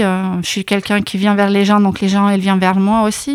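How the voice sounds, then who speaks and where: A woman speaks at a medium pitch with a Lithuanian accent. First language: Lithuanian (speaking French). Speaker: expatriate. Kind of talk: interview answers, personal story.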